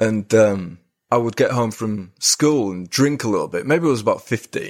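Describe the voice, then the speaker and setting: In a normal speaking voice, a man talks at a moderate pace with a medium pitch and ordinary pitch variation. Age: 30s. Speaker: poet and comedian. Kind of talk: casual chat.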